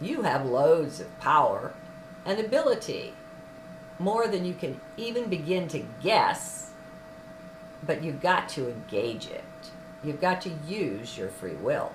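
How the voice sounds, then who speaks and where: Fairly slow speech with long, frequent pauses and noticeable background noise. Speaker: spiritual channeler. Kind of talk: reading aloud from spiritual journal.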